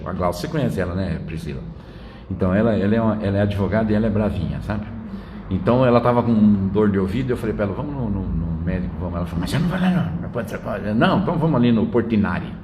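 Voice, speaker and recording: A man's voice: medium pitch, slight background noise. An older man giving a casual spiritual talk, telling anecdotes and tagging his lines with "né?". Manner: chatty storyteller, tags lines with "né?". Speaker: spiritist lecturer. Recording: roomy echo.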